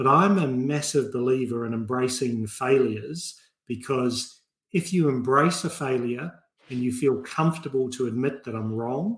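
Here a man speaks with a slight New Zealand accent. His voice is somewhat breathy and his pace moderate. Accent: faint New Zealand. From New Zealand, South Island. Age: 50s. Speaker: business leader and author. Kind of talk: interview.

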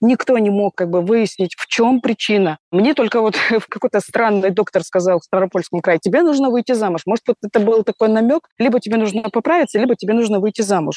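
A woman speaks in a fairly high pitch with ordinary pitch variation. Her tone is dark and mellow. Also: fairly quick pace. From Dagestan, Russia (village). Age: 30s. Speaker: guest sharing personal story. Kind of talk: personal testimony.

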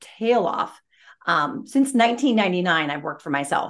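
A woman speaks at a moderate pace with a fairly high pitch and vocal fry. Her pitch swings very widely. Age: 50s. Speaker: entrepreneur and mom. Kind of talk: interview.

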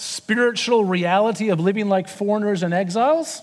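Noticeable background noise sits under speech delivered at a fairly quick pace with ordinary pitch variation. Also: man. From Canada. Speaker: preacher. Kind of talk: sermon. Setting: church.

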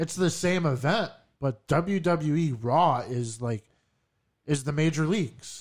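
Somewhat breathy, a man talks very slowly at a fairly high pitch with ordinary variation. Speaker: co-host. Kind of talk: casual banter. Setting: studio.

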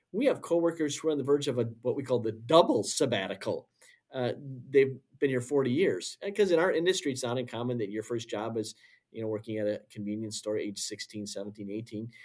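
Speaking very fast, a man with a slight Wisconsin accent uses lively intonation. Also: medium pitch for a man. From rural Wisconsin. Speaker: corporate communications director. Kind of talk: casual interview conversation.

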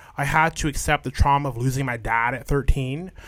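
An ordinary speaking voice belongs to this man, who has an American accent, medium pitch and ordinary pitch variation. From Washington DC. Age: 30s. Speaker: costume designer and stylist. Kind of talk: casual interview chat.

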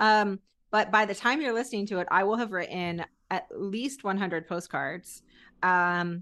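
In a quiet background, a woman talks at a moderate pace in a bright, sharp tone with ordinary pitch variation. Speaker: podcast co-host. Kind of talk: casual chat.

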